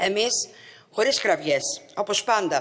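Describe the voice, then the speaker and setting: Here a woman talks at a moderate pace. Her voice is fairly high, with ordinary pitch variation. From Greece, Chalkidiki; Greece. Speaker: member of parliament. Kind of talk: parliamentary speech. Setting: parliament chamber. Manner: formal. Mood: firm, indignant. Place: hall. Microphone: podium.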